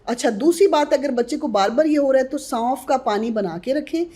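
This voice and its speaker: A woman's voice: high voice, mellow. A woman who is a guest on a podcast interview, earnestly advising mothers on newborn care and addressing them directly.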